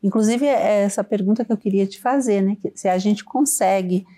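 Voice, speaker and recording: A woman's voice: mid-range voice, a little fast, dark tone. A woman, hosting an interview and asking long, searching questions. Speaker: interview host. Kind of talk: conversational interview.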